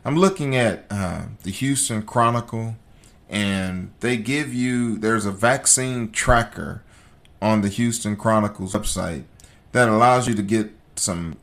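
A man's voice: lowish voice, a little slow, fairly bright tone. A man hosting an opinion talk show, speaking emphatically and straight to his listeners. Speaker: podcast host.

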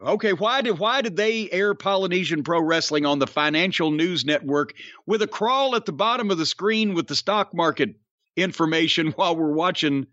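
A man's voice: high voice, expressive, moderate pace, fairly bright tone, no room sound, lo-fi sound. A middle-aged man, hosting a wrestling podcast, drawling and storytelling as he quizzes his co-host. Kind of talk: casual wrestling podcast chat.

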